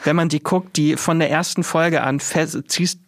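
A man co-hosting a podcast, briskly giving facts about TV series. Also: a little high, steady tone, no echo, studio quality. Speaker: podcast co-host. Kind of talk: casual chat presenting series.

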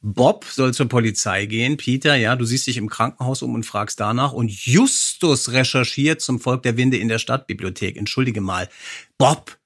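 A man's voice: mid-range voice, moderate pace, fairly bright tone, no echo. Dry-sounding man chatting on a podcast. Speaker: podcast co-host. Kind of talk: casual chat.

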